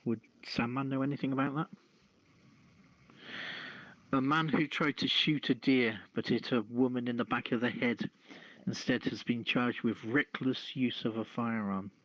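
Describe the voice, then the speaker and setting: A man hosting a casual news podcast, reading stories and commenting in a halting, deliberate way. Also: medium pitch, steady tone, fairly bright tone, dry recording. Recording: dull, lo-fi streamed audio.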